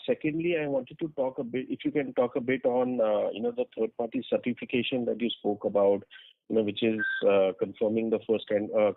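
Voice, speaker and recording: An Indian-accented man with a lowish voice asks questions as an analyst on a conference call. He is polite and halting, heard over a dry, narrow phone line. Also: dry recording.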